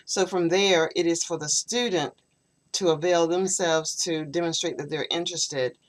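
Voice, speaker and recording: Low-voiced woman teaching over a call. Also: steady tone. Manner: explanatory, measured. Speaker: English teacher. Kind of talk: online tutoring session. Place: home, video call. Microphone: computer video call microphone.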